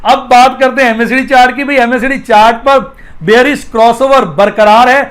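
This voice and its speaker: A man's voice: very high-pitched, steady tone, moderate pace, fairly bright tone. A man giving a playful daily stock market commentary, with rhyming asides.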